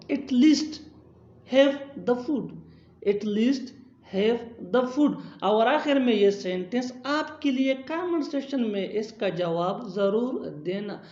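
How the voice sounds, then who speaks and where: A woman narrating a scripted English lesson, slowly and deliberately, repeating each example sentence twice. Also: on the high side, darkish tone. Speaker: English teacher. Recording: roomy, slightly dull recording.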